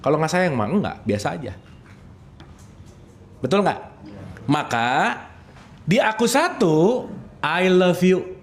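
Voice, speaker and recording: A man leads a casual religious study session. His voice sits high for a man and leaps about with animated swings in pitch. He teases and keeps checking in with his listeners. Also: takes it slowly, pauses often, slight background noise. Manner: playful, lively, asks the audience often. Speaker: religious teacher.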